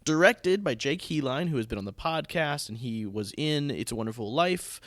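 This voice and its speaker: A man with an American accent hosts a casual podcast conversation. His mid-pitched voice wanders through restarted sentences. The sound is dry, with very little room in it. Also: expressive, normal speed, no echo. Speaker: podcast host and theatre producer.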